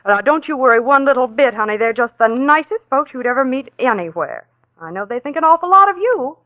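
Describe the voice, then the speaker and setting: An actress playing a cheerful hospital nurse who talks in a folksy, reassuring way, in a 1940s radio drama. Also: female voice, sits high, expressive, fairly quick, dry recording. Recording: tinny narrow-band 1940s radio recording.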